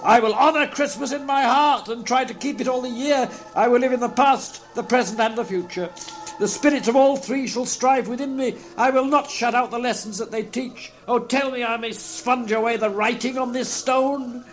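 A man acts out an elderly miser reformed and overcome with feeling. The voice is pitched high and swings widely as he exclaims and repeats himself breathlessly, in the manner of a dramatised storybook. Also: expressive, moderate pace, a bit bright. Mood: desperate pleading. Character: elderly reformed miser, giddy with joy and gratitude. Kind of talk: dramatised reading of a classic storybook.

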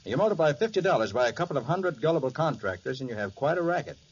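An actor playing a confident, generous master detective with brisk authority in a 1940s radio crime drama. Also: male voice, a little high, animated, breathy edge. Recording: muffled, noisy 1940s radio recording.

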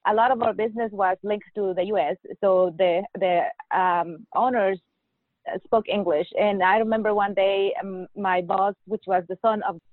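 A woman in her 40s from Mexico, a nurse anesthetist, appears as a guest on a podcast interview. She speaks hesitantly and laughs often, in a medium-pitched, steady voice at a moderate pace. The recording is dry, over a tinny phone-like line.

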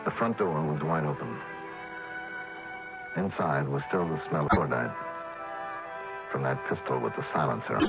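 Tough wisecracking private eye, low voice, old radio recording w music behind. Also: male voice, creaky. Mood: hard-boiled narration. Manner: brisk, wry, hard-boiled. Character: tough wisecracking male insurance investigator, middle-aged. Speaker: narrator and lead. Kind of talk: 1950s-60s radio drama acting. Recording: dull old radio broadcast.

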